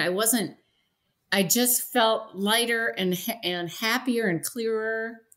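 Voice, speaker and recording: Against a quiet background, a woman speaks at a fairly high pitch with ordinary pitch variation. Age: 70s. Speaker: intermittent fasting success story. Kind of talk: interview. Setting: remote call. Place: home room.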